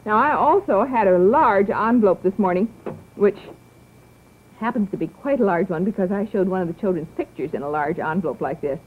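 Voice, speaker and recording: A middle-aged woman hosts a children's show in a coaxing, sing-song manner, drawing out her words like a kindly teacher. Her voice sits at an ordinary pitch. The sound is narrow and tinny, like an old television broadcast. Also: lively intonation, brisk, slight background noise. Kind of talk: speaking gently to children, then to parents.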